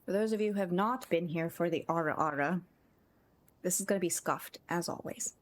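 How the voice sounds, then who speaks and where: A woman whose voice is on the low side and fairly quick streams a game, chatting casually with viewers, gushing, and thanking them often. She creates content, and music can be heard behind her.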